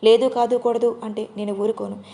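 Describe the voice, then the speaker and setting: A woman's voice: a little high, little pitch movement, a little fast, dark tone, natural voice. A woman reading the lines of a stern but loving older man, the bride's father-in-law, in a firm, commanding way. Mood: firm, reassuring.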